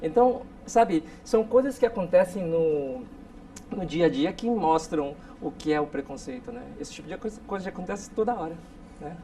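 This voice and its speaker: A man's voice: sits high, animated, normal speed, mellow. Man from South Korea, distant mic. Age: 40s. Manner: storytelling, frequent tag questions. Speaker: interview guest. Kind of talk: casual interview talk. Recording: distant mic with faint noise.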